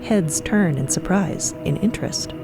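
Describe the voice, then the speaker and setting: A woman's voice: on the low side, measured pace, gravelly, over music, low-quality recording. A woman narrating an audio drama in a wry, playfully conversational storytelling style.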